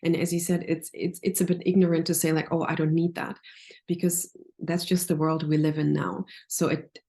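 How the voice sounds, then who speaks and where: Low, gravelly-voiced woman nutritionist. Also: dark tone. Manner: thoughtful, many restarts and fillers. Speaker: nutritionist guest. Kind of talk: casual podcast interview.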